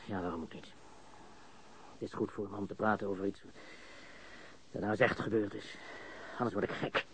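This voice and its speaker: A man's voice: lowish voice, fairly even intonation, normal speed, a bit bright, a little hiss or hum, poor audio. An actor playing an agitated prisoner who protests his innocence, pleading and stammering in a radio crime drama. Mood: subdued, confiding.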